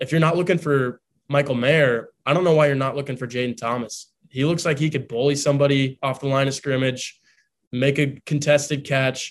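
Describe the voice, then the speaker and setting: With an American accent, a man talks at a fairly quick pace in an ordinary speaking voice, fairly high in pitch and fairly even in intonation. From Texas. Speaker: sports beat writer. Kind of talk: interview.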